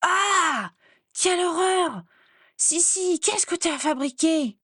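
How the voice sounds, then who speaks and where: A woman puts on a skittish young sorceress for an audiobook, her voice jumping high and shrill as she frets. The reading sits dry and close to the mic. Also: slow pace, dry recording, full character voice. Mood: horrified. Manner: high, flustered, excitable. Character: panicky teenage girl witch, gentle sister.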